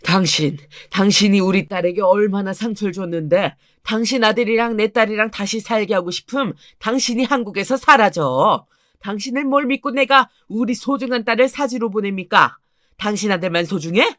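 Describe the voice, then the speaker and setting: A woman's voice: medium pitch, normal speed, a bit bright, dry recording, clean studio sound, natural voice. A woman voicing a stern, protective older father who gives commands. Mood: indignant.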